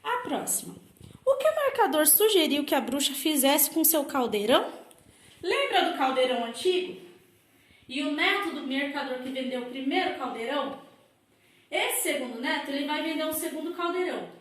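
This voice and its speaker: A woman with a Brazilian Portuguese accent, a primary school teacher giving a recorded lesson to children and sounding out words slowly, syllable by syllable. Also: high voice, very animated. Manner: slow, exaggerated syllable-by-syllable explanations. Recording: echoey room.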